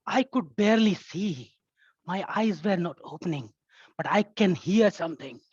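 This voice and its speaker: A woman telling a tall tale as a theatrical contest speech, in short, halting, dramatic phrases. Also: on the low side, animated, darkish tone, slightly rough, no room sound, dull audio.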